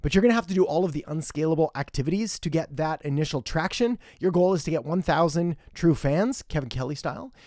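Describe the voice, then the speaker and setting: Talking fast with few pauses, this young man runs a casual live marketing Q&A from his western Canadian home, greeting viewers by name and offering blunt advice in a chatty, direct manner. His voice sits on the high side, with lively intonation and a slightly mellow quality. Clean studio sound, no room sound.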